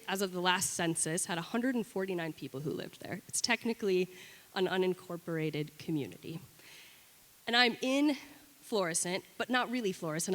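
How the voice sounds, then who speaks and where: A woman's voice: medium pitch, fairly bright tone. A young woman from Washington telling a personal story on stage, conversational and wry, with small restarts. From Olympia, Washington. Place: live event venue with long reverb. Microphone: stage microphone. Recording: live hall with long reverb.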